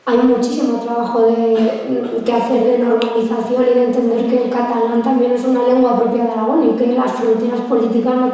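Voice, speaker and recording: A woman in her twenties from Aragon, Spain, with a fairly high voice and dark tone, gives a chatty talk and mini lesson in a minority language as a guest speaker in a lecture room. Her speech is full of fillers and restarts, recorded in an echoey hall far from the mic.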